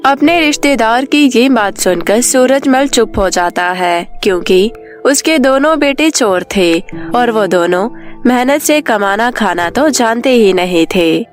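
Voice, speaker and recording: A woman's voice: a little high, animated, unhurried, faint music behind. A woman storyteller giving scripted narration for a cartoon moral story.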